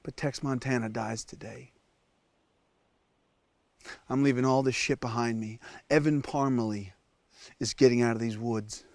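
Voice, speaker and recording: An actor playing a lost, cold and hungry survival-show star whose confession swings between sobbing and panic. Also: male voice, mid-range voice, steady tone, a little slow, long pauses, darkish tone, dry recording, close to an everyday voice. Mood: quiet, resigned. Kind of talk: comic monologue acting.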